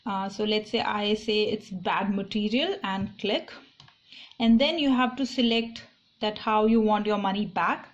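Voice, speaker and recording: A woman's voice: medium pitch, fairly even intonation, measured pace. A young woman with an Indian accent talking casually to viewers and explaining things in a vlog. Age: young adult. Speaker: online shopping vlogger. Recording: dull lo-fi phone audio, clear background noise.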